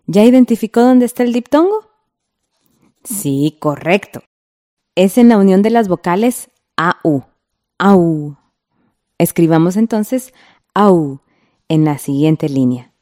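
A woman teaching a radio class, reading a scripted lesson in a slow, patient way and drawing out the example words. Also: mid-range voice, animated, dark tone.

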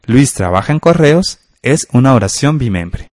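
A calm, encouraging man guides listeners through a scripted radio grammar lesson. His voice is recorded close and dry, with no room sound. He keeps asking the listener to confirm. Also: medium pitch, normal speed, dry recording. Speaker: radio teacher.

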